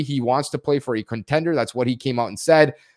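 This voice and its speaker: A man with an Ontario accent at a very fast pace, ordinary pitch variation, on a very clean recording with a silent background. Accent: Canadian (Ontario). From Canada, near Toronto. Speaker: sports podcast host and fantasy analyst. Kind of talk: solo sports analysis podcast. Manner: casual, conversational.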